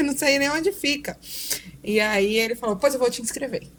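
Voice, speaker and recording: A woman talks at a high pitch. She has a northeastern Brazilian accent. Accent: northeastern Brazilian (Paraíba). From Paraíba, northeastern Brazil. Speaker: physician. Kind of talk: podcast interview.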